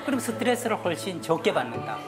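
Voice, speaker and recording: Lecturer, woman, lowish voice that swings a lot, playful demos, music under her. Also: quick pace, crowd noise. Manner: animated, acts out little scenes and has the panel repeat after her. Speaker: guest lecturer on stress. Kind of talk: lively talk show lecture with audience participation.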